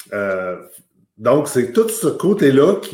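In a Quebec accent, a man speaks very slowly, and the room echo is audible. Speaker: team coach. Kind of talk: interview. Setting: live stream.

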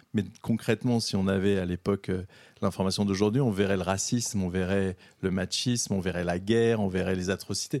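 A man talks at a fairly quick pace in a fairly low pitch. The recording is very clean, with a silent background. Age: 50s. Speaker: artist and musician. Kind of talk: casual conversation. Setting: studio. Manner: hesitant, repeats words.

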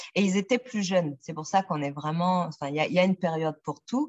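A woman's ordinary speaking voice, fairly low in pitch, with lively intonation. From Burkina Faso. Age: 40s. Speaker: auditor and mother. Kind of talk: interview.

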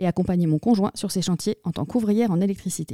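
Speaking very fast with ordinary pitch variation, a woman with a dark, mellow tone and medium pitch is heard in a dry, close sound with no echo. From western France, Vendée. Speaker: podcast host and life coach. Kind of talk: scripted podcast monologue.

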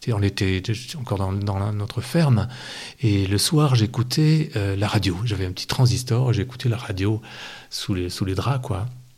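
A man with a fairly low pitch speaks fairly slowly and somewhat breathily, with ordinary pitch variation and long, frequent pauses. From Auvergne, France. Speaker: children's author. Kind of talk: interview. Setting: at home. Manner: halting.

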